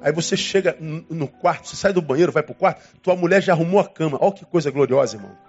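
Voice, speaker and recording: A man preaching a sermon as pastor, emphatic, with dramatic swings in pitch and long pauses. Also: expressive, husky, highs cut off, faint music behind.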